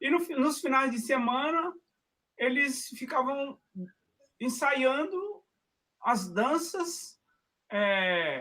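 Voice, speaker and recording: Very wide pitch swings in a man's raised, projected voice, its tone bright and sharp. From Brazil, Minas Gerais (Triângulo Mineiro). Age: 70s. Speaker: capoeira master. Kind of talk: interview, life story. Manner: halting, many false starts.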